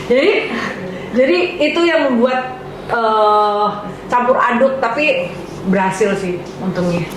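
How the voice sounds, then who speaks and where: A woman's voice: a little high, slow. A woman actress chatting casually in a promotional interview, often laughing as she talks. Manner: chatty, laughs while talking. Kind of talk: casual chat. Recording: very echoey room, faint noise.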